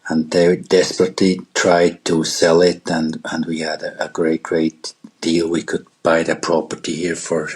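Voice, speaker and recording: A middle-aged man from Switzerland with a Swiss accent, a guest telling his story in a podcast interview, pausing often and restarting his sentences. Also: low-pitched, monotone, a little mellow. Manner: halting, with frequent pauses and restarts. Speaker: guest wildlife photographer.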